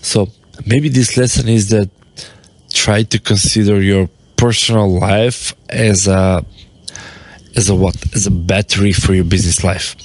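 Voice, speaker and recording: A man's voice: lowish voice, steady tone, unhurried, darkish tone, dry recording. A man, talking casually on his rooftop about family and business, rambling with many restarts. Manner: rambling, with restarts and loose English. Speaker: podcast host and business owner. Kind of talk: casual talk to camera. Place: on his apartment rooftop, outdoors.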